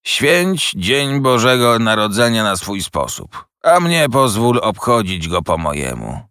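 A scornful old miser with a slow, biting grumble, as a man reads him. His voice climbs and dips as he scolds, with a dry sound. It is an old storybook read aloud. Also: lowish voice, very animated, sharp tone, smooth, no room sound, heavily acted. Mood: stern.

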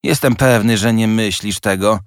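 A man voicing a cheerful, warm-hearted young man who talks quickly and eagerly. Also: lowish voice, smooth, no echo, studio quality, natural voice.

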